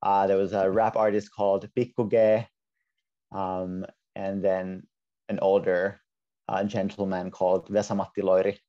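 A man's voice: deep voice, measured pace. A Finnish man in his twenties, a native Finnish speaker, chatting casually as a guest, full of likes and you knows. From Finland. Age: 20s. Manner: relaxed, lots of like and you know. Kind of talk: casual interview chat. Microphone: earbud mic on a video call. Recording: dull lo-fi video call audio.

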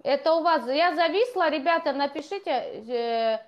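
A woman's voice: high-pitched, animated, normal speed, lo-fi sound. A woman in her thirties hosting a casual live stream from a room at home, talking with callers through an earphone mic.

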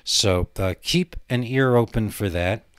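Guy with a lowish voice doing a rambly solo podcast, hesitant, keeps drifting off on tangents, dry sound. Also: a little slow, clean tone, dry recording. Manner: digressive, hesitant. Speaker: podcast host. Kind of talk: rambling casual solo monologue.

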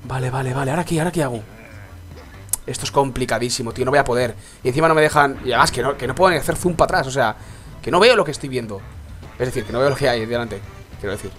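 A young man, commenting on a mobile game he is playing, congested and sore-throated from a cold, swinging between low muttering and excited outbursts. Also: rapid-fire, soft background music. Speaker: gaming YouTuber. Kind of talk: let's play commentary.

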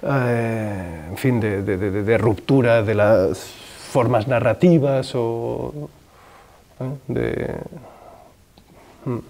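A man's voice: medium pitch, dark tone. A man in his thirties, a film director, answering interview questions in a hesitant, thinking-aloud way with many restarts. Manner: gestures with his hands as he talks. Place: room with wooden shelves, indoors.

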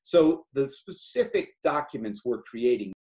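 A man's voice: medium pitch, animated, measured pace, darkish tone. A man giving an informal, explanatory webinar presentation as a project lead on a video call. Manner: conversational, explanatory.

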